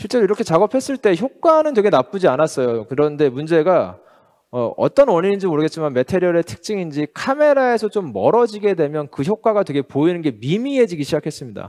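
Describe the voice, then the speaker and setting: This man speaks very fast in a high voice, with very wide pitch swings. The sound is dry and close with no echo, over a quiet background. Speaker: conference speaker, tech studio research head. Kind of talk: conference presentation.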